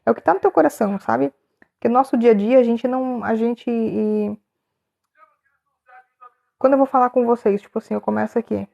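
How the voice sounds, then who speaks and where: A woman's voice: fairly high pitch, brisk, gravelly, pauses often, mellow, highs cut off. A woman chatting casually on a live stream, laughing often and reading viewers' names from the chat.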